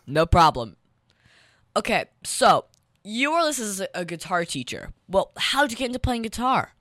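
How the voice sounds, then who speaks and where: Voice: medium pitch, very animated, normal speed, a bit bright, no room sound, clean studio sound. A show host interviewing a guest with a showy presenter's delivery.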